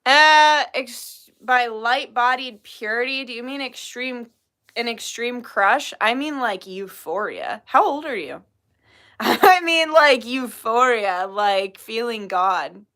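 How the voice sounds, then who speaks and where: A woman's voice: on the high side, lively intonation, takes it slowly, pushed and bright. A young woman hosting a tarot livestream, chatting casually with viewers, swearing freely and laughing often. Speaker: tarot reader livestream host. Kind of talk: casual livestream chat, reading chat messages.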